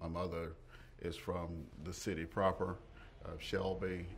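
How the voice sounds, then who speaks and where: Very deep, low-pitched man's voice with an American accent, monotone and flat, at a very slow pace over light background noise. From North Carolina. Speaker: textile executive. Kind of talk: interview answer. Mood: calm, thoughtful. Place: street.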